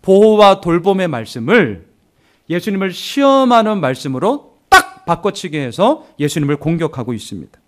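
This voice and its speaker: Male pastor preaching, animated, acts out voices, pitch jumps all over. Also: normal speed. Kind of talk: sermon.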